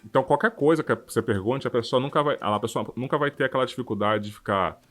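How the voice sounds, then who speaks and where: A man's voice: mid-range voice, quick pace, soft background music. A man with a Brazilian Portuguese accent co-hosting a podcast, talking informally and with animation. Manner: informal, animated, frequent "cara" and "sabe". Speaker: podcast co-host. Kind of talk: casual chat. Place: works abroad.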